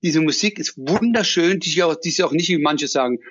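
A man in his sixties, an actor guest, talking casually and rambling with many pauses and fillers. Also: on the high side, fairly bright tone, husky, highs cut off. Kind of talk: casual chat.

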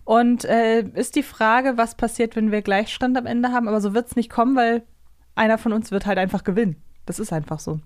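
A woman's voice: a little high, a little fast, dry recording, studio quality. A woman hosting a casual quiz podcast, chatting and joking with her co-host. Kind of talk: casual quiz banter between co-hosts.

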